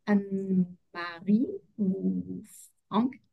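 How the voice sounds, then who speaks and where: A woman's voice: mid-range voice, steady tone, extremely slow, creaky, dull audio. A woman moderating an online webinar, reading out audience questions with frequent hesitations. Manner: hesitant, many fillers.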